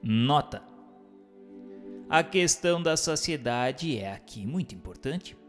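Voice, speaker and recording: Male narrator, mid-pitched and very animated, formal declamatory scripted read over faint music. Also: slow pace. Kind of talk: scripted dramatized reading of a spiritist book.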